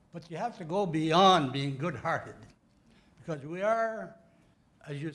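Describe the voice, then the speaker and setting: A man speaks at a moderate pace with a bright, sharp tone and a fairly high pitch. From northern Manitoba, Canada. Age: 80s+. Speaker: audience member asking a question. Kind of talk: audience question at a public talk. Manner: halting, many repetitions.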